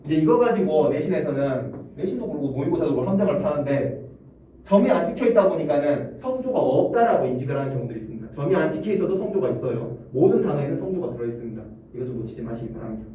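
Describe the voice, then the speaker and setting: A man's voice: fairly high pitch, sing-song, very fast, dark tone. A male Korean language teacher giving a classroom lecture, asking students questions and chuckling often. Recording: roomy classroom echo, distant mic, faint hum.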